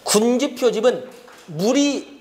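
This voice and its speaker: A man's voice: extremely high pitch, lively intonation, measured pace, darkish tone. A middle-aged man giving an exam-prep lecture, repeating key terms as he writes them on the board.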